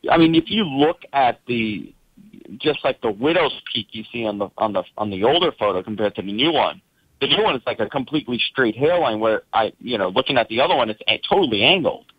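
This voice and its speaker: A man's voice: mid-range voice, lively intonation, fairly quick, slightly rough, no echo. A man calling in to a talk show, describing things at length in a rambling, hesitant way with many fillers. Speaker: caller. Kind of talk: casual phone-in chat. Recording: dull lo-fi call line.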